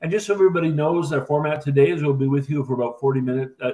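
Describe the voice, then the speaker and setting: A man's somewhat breathy voice at a very fast pace, with ordinary pitch variation. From Canada. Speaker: think tank policy fellow and moderator. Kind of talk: panel discussion. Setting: video call. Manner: halting. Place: home room. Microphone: webcam.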